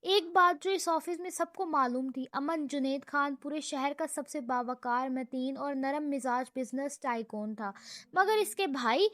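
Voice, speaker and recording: A woman narrating a romantic comedy novel in an expressive, dramatic storytelling voice. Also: sits high, no echo, clean studio sound.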